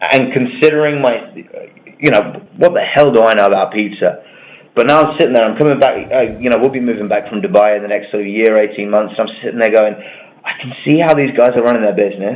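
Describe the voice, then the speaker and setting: Someone with a British accent talks very fast, with ordinary pitch variation, over noticeable background noise. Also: man, medium pitch for a man. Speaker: agency owner, entrepreneur. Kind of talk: casual chat.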